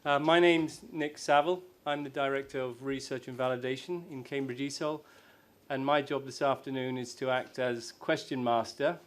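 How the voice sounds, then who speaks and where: A man acting as question master, announcing a competition to an audience in a formal, measured way, slowing down on key phrases. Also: mid-range voice, fairly even intonation.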